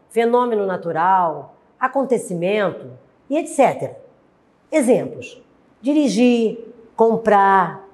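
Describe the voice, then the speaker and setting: Slow, lively-voiced Brazilian woman teacher. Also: mid-range voice. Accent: Brazilian Portuguese. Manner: slow, deliberate, spelling out examples. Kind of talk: slow classroom lesson.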